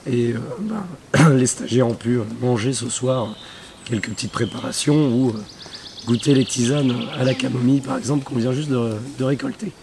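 Hoarse man hosting an outdoor podcast. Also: medium pitch, normal speed, background noise. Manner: relaxed, chatty, many fillers. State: hoarse, losing his voice. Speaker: podcast host and bushcraft instructor. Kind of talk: casual outdoor podcast talk. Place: outdoors at a rural bushcraft camp.

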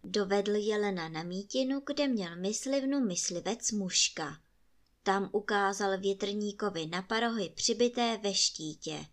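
A woman reads a bedtime fairy tale aloud at a middling pitch. Her narration is calm and expressive. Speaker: storyteller. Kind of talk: reading a bedtime story aloud.

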